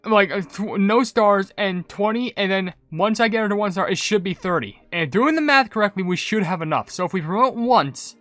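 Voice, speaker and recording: A man giving excited, casual game commentary in a rambling, emphatic way as a video creator. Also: high-pitched, moderate pace, hardly any pauses, dry recording, soft background music.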